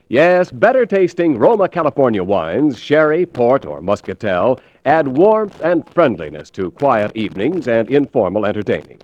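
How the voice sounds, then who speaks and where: A man reading a sponsor's wine commercial in a smooth, persuasive 1940s radio style. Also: mid-range voice, a little mellow. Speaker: sponsor announcer. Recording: dull, dry old radio broadcast.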